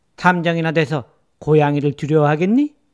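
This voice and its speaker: Words come at a fairly slow tempo. The background is silent in this very clean recording. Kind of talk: audiobook dialogue, playing the detective. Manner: relaxed, teasing, thoughtful detective tone.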